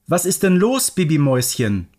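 Worried loving mother for a children's tale male reader, higher pitched, very animated delivery. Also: normal speed. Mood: worried, tender.

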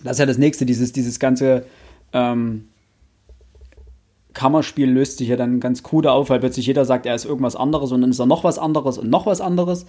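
Husky, mellow man chatting casually. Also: mid-range voice, fairly even intonation, moderate pace. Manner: colloquial, explains plot step by step. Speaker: podcast co-host. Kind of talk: casual book discussion.

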